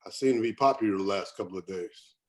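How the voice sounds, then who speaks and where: A man's voice: on the low side, fast talker, darkish tone, natural voice. A man playing a weary, defensive company doctor, bitter and resigned, in a screenplay table read.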